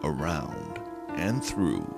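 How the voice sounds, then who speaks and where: Deep gravelly man, slow ominous narration. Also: huge pitch swings, loud music behind the voice. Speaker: horror anthology host.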